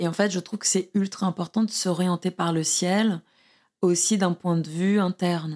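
Monotone, flat intonation comes at a fairly slow pace. The sound is dry and close with no echo, on a very clean recording with a silent background. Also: woman, medium pitch for a woman. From Brazil (Rio). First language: Portuguese (speaking French). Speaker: astrologer. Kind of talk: interview.

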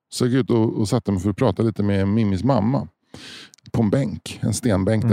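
The recording is dry and close, free of echo. A man's tone comes through dark and mellow. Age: 50s. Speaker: comedian and podcast co-host. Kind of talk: casual chat.

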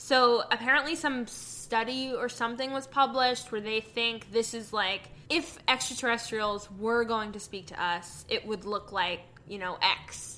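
An unremarkable speaking voice from a woman with an American accent, fairly high in pitch with ordinary pitch variation, at a fairly slow pace with hardly any pauses. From New York City, Staten Island. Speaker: writer and web series creator. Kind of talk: casual chat.

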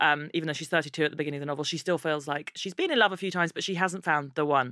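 A woman's very deep, low voice with a London accent and a bright, sharp tone, very fast with hardly any pauses and fairly even intonation, in a very clean recording with a silent background. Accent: southern English (London). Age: 30s. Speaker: novelist and journalist. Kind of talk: casual chat.

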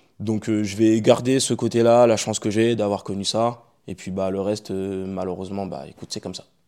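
At a moderate pace, a man with a fairly low pitch and a dark, mellow tone speaks with big swings in loudness. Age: 30s. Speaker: street workout athlete. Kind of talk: casual chat. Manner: animated.

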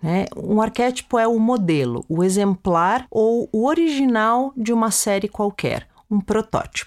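Speaking at a fairly slow pace, a woman with a fairly high voice moves through very wide pitch swings. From southern Brazil, Curitiba. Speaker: podcast co-host, actor discussing theater. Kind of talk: casual educational chat.

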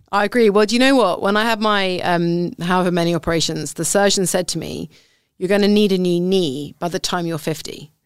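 A woman in a normal speaking voice talks at medium pitch and a fairly quick pace with ordinary pitch variation, captured on a very clean recording with a silent background. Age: 40s. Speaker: business founder. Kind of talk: interview.

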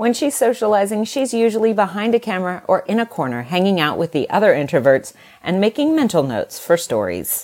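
With vocal fry and hardly any pauses, a woman talks at a fairly quick pace in a medium pitch with very wide pitch swings. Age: 50s. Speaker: podcast host and literary agent. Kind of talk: casual interview chat; scripted intro narration.

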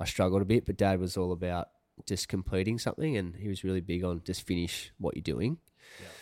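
In a very clean recording with a silent background and dry, close sound with no echo, a man with an Australian accent speaks at a very fast pace. His pitch is very deep and low, with ordinary variation. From Australia, Sydney northern beaches and Sunshine Coast. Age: 40s. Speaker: professional surfer. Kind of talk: casual chat. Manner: halting.

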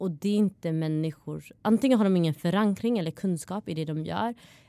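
On a very clean recording with a silent background and a dry, close sound with no echo, a woman speaks at a fairly low pitch in a dark, mellow tone with ordinary pitch variation. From Malmö, southern Sweden. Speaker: social entrepreneur, co-founder of a nonprofit. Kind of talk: interview conversation. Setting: hotel, podcast recording.

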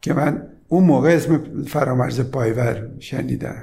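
Somewhat breathy and dark, mellow in tone, a man speaks at a very slow pace amid audible room echo. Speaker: composer. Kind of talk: interview, reminiscing.

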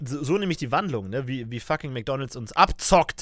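A man with an ordinary speaking voice talks at a fairly quick pace and medium pitch, recorded very cleanly against a silent background. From Munich, Bavaria. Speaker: podcast co-host. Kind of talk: casual chat.

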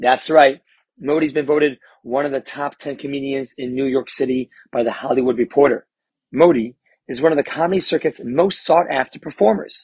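Heard in a dry, close sound with no echo, a man with a fairly high pitch talks at a fairly quick pace in an ordinary speaking voice. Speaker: podcast host. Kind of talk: scripted intro and outro. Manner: upbeat.

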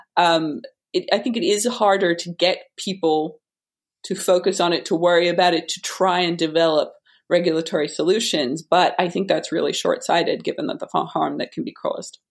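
Here is an American accent at a moderate pace. The recording is very clean, with a silent background. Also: woman. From Australia. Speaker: law professor. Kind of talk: podcast interview on legal scholarship.

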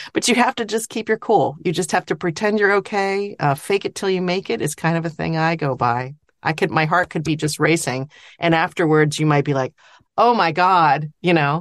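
Recorded with a dry, close sound and no echo, a woman with an ordinary speaking voice and fairly low pitch speaks at a moderate pace with lively intonation. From Maine, US. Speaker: therapist and voice actor. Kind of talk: casual interview chat.

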